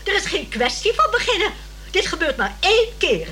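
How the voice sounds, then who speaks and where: An actress playing a fussy, excitable elderly lady who loves opera, flustered and chattering in a radio play. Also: very high-pitched, a little fast, full character voice. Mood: indignant. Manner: flustered, stammering, chattering, insistent. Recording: slightly noisy old radio play recording.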